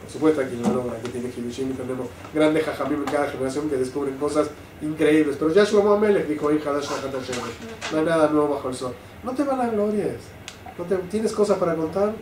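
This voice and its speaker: Older male rabbi, lively teacher, fond of rhetorical questions; distant mic, faint hiss. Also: a little high, quick pace. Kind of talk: Torah class. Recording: roomy sound, mic at a distance, faint noise.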